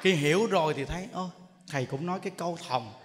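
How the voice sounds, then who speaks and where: A Buddhist monk, giving a jokey, lively storytelling sermon in which he acts out characters. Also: on the high side, fast talker, slight background noise. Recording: echoey hall, faint ambience.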